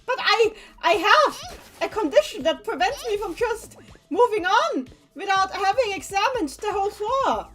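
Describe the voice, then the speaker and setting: A woman streaming a video game, chatting casually and reacting out loud to the characters on screen. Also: very high voice, a little slow, soft background music. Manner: animated, talks back to game characters, exclaims. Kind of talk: casual let's-play commentary.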